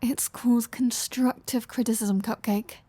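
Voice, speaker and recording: A woman's voice: a little high, fairly even intonation, a little slow, mellow, slightly rough, no room sound. A woman playing a flirty, sardonic female vampire in an audio roleplay, teasing the listener with dry sarcasm.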